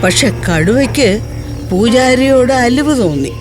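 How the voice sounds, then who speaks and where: A woman's voice: fairly high pitch, lively intonation, a little slow, music in the background. A woman narrating a scripted story for children as the storyteller.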